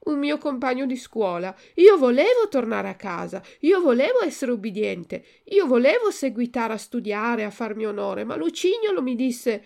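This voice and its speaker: A woman's voice: fairly high pitch, big pitch swings, moderate pace, gravelly, hardly any pauses, a little mellow, voice pushed up. A woman voicing a frightened wooden puppet boy in a storybook reading, pleading and wailing. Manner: wailing, pleading, rising to cries.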